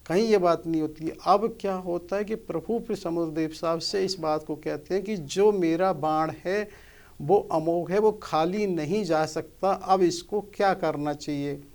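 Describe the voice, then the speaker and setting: A man's voice: a little high, measured pace, a little mellow. A man, a motivational speaker, earnestly explains scripture in a conversational way and asks rhetorical questions.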